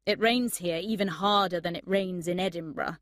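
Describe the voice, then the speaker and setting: A woman's voice: lowish voice, moderate pace, no echo, clean studio sound, close to an everyday voice. A woman reading a letter from a slightly drunk young man, rambling and earnest.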